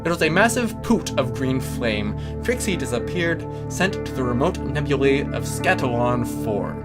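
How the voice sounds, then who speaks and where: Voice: medium pitch, very animated, moderate pace. A narrator reading a comic story dramatically, with theatrical delivery and wry asides to the listener. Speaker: fan fiction reader. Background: loud music under the reading.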